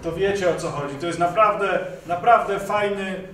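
Young man, slightly high voice, casual joking chat, echoey room. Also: normal speed, a bit bright. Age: young adult. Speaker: co-host promoting audio dramas. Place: indoor green-screen studio at a table. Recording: roomy, distant mic with background noise.

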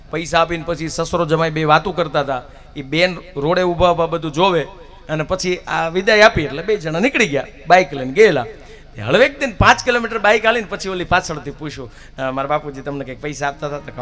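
A man telling devotional stories and jokes to a live audience, animated, swinging between loud and hushed. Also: on the high side. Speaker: folk storyteller. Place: live outdoor stage event.

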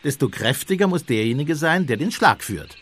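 An actor playing a calm, shrewd Catholic priest who reasons politely and in measured words in an audio drama. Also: male voice, on the high side, slight background noise. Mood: reasoning. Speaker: actor in a radio play. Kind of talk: German audio drama acting.

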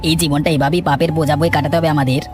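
A man's voice: a little high, fairly even intonation, racing, faint music behind, lightly acted. A man playing a sheepish village swindler in a cartoon moral story, pleading and rueful. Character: sheepish male village swindler turned remorseful beggar. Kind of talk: Bengali moral cartoon dubbing.

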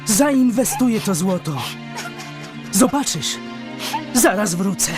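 A reckless young man in an animated Bible tale. His voice sits high and he speaks slowly. Faint music runs beneath him. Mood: boastful. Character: reckless young man, broke, hungry and pleading. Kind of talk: animated Bible story dubbing.

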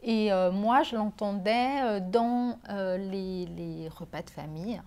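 A middle-aged woman talks at a bookshop event, halting and searching for words, with frequent pauses and fillers. Her voice sits at a medium pitch and is picked up by a camera mic at some distance. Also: a little mellow. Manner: hesitant, many fillers and restarts. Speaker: author. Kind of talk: bookshop author talk. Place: bookshop reading event, indoors.

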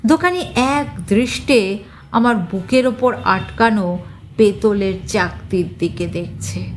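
A woman reading a story aloud in a slow, measured way, sometimes dropping to a near whisper. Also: lowish voice, a little mellow, a little hiss or hum. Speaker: story reader. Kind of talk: scripted story narration.

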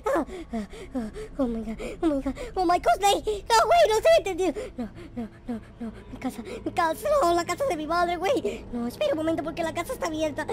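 A very high, whiny voice of a naive noob boy, put on by a man for a video game roleplay. He is panicky and exclamatory, repeating his words frantically as he reacts to a zombie apocalypse world. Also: very animated, brisk, few pauses. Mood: panicked, frantic. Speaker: gameplay video creator. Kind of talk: improvised Minecraft roleplay commentary.

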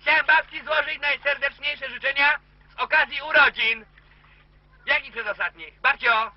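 A man's voice: extremely high pitch, moderate pace, no room sound. An actor playing a grown mummy's boy fussing at his mother over the phone in a cabaret sketch. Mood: doting. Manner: fussy, repeating himself, nagging down the line. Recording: dull lo-fi recording.

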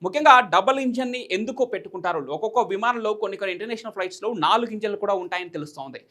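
A man's voice: high-pitched, very fast, fairly bright tone. A man with a Telugu accent presenting news commentary, explaining and rephrasing points in everyday terms with English words mixed in.

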